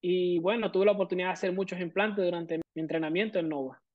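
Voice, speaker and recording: A man's voice: high voice, steady tone, quick pace, dry recording, narrow, tinny audio. A man from Venezuela in his thirties with a Venezuelan accent, a guest explaining his career at length with many fillers. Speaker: guest prosthodontist. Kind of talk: casual interview.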